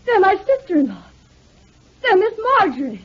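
A woman's voice: very high-pitched, sing-song, moderate pace. An actress playing a polite, dramatic, evasive married lady in 1940s radio acting style. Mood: distressed. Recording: muffled, lo-fi 1949 radio recording.

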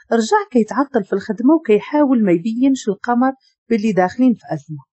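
Husky Moroccan woman narrating a story. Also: fairly high pitch, mellow, dry recording, muffled recording.

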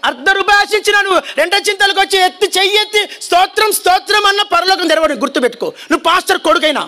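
A man preaching a fiery sermon to a congregation, shouting warnings and calling on listeners to repeat his words back to him. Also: extremely high pitch. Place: church hall before a congregation.

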